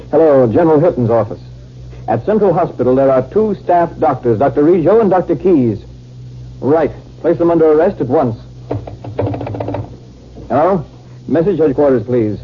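An actor playing an army captain in a 1950s radio drama, with measured military diction. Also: male voice, fairly high pitch, natural voice. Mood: urgent, commanding. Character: smooth, dutiful army captain, secretly a cold spy. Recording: dull, hissy 1950s radio recording.

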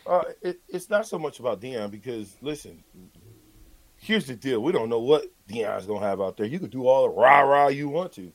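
A man's voice: medium pitch, lively intonation, normal speed, no room sound. A man hosting sports talk in a heated, emphatic and confrontational manner, repeating phrases for stress. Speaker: sports talk show host.

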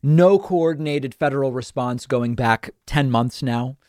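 A man's voice: medium pitch, a little slow, a little mellow, dry recording, studio quality. Sarcastic male political talk host. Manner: sarcastic, scornful, argumentative. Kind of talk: opinionated political commentary.

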